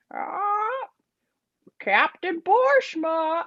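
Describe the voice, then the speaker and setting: An extremely high pitch in a put-on character voice. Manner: squawky, imitating a parrot.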